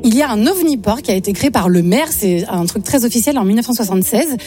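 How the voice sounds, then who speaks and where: A woman's voice: on the high side, animated, fast, warm tone, soft background music. A woman co-hosting a radio show, speaking in a poised, slightly formal way. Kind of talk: casual chat.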